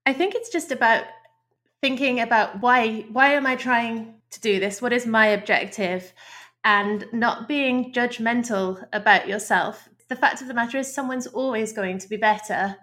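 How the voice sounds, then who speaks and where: A woman's voice: on the high side, moderate pace, a bit bright. A woman, a podcast guest explaining her ideas in a thoughtful, chatty way, often restarting phrases. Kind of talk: podcast interview.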